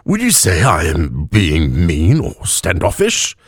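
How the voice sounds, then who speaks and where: A man voicing an earnest, drunken old elf cleric with slurred, halting speech and an invented elvish accent. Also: deep voice, huge pitch swings, husky, dry recording, studio quality, full character voice. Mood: rambling, tipsy. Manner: halting, stumbling over words. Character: drunken two-hundred-year-old male elf cleric, earnest, rambling.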